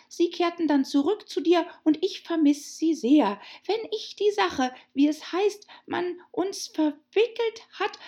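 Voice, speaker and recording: A jittery white rabbit who trips over his words in a storybook, voiced by a woman, pitched high and squeaky with lively, darting intonation. He fusses and stammers through every line. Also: muffled recording, full character voice. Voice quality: stammering, flustered. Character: nervous stammering male white rabbit herald.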